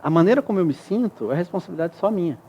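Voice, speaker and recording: As a guest expert in a TV studio interview, a man explains his ideas step by step, using everyday examples and frequent tag questions to check that his listener is following. His fairly high voice is warm and mellow with a breathy edge, delivered very fast with lively intonation in a reflective manner. The audio sounds dull.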